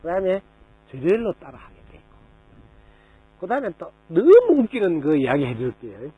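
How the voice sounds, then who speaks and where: A man's voice: on the high side, wildly swooping pitch, normal speed, husky, dry recording, phone-quality sound. A man, a Buddhist monk, giving a dharma talk to lay listeners, telling stories with rhetorical questions and mimicking the people in them.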